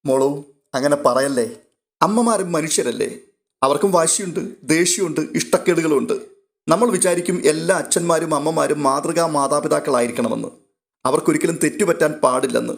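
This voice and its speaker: A man reading a story aloud and voicing a caring young woman who gently coaxes a younger girl. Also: a little high, moderate pace, creaky. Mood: coaxing.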